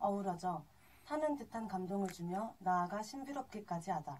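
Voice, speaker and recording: The intonation is lively. Delivery comes at a moderate pace. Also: woman. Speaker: drama student. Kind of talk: reading passage aloud. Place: studio. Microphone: camera far.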